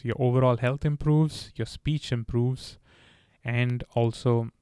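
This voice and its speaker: A man talks earnestly through his advice, now and then catching on a word and restarting. His voice has a gravelly, fry-edged texture and stays level in pitch, with little rise or fall. The sound is close and dry, with no room around it. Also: a little mellow, no room sound. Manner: earnest, advice-giving, occasional stammers and restarts. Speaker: podcast host. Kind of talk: candid solo podcast talk.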